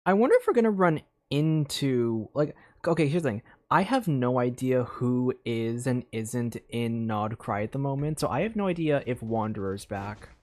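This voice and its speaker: A woman's voice: very deep voice, lively intonation, moderate pace, hardly any pauses, a little mellow, dry recording, clean studio sound. A woman giving casual gameplay commentary as a streamer, rambling and thinking aloud. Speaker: game streamer.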